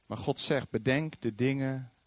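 A man preaching a sermon, telling the story in an animated way and acting out the voices of the people he quotes. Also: medium pitch, measured pace, no echo.

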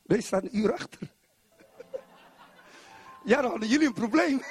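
A middle-aged man from Zwolle preaching a sermon in church, animated and constantly putting questions to the congregation. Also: extremely high pitch, slow, soft background music. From Netherlands, Zwolle.

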